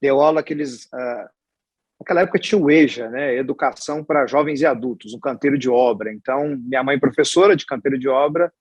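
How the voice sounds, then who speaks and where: A man in his forties, a hospital executive from Goiás, Brazil, chats as an interview guest in Goiás-accented Brazilian Portuguese. He tells his life story in a loose, storytelling way, full of restarts and tag questions. His mid-range voice is brisk and slightly rough, with no room sound.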